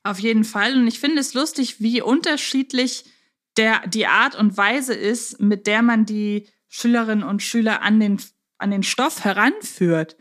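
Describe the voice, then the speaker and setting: A woman's voice: on the high side, measured pace, a bit bright. Woman co-hosting a casual podcast. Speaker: podcast co-host.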